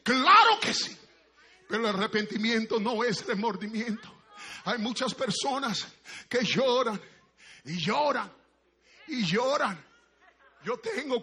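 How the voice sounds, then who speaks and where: A middle-aged man preaching a fiery sermon, swinging from shouted peaks to low, measured speech. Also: breathy edge.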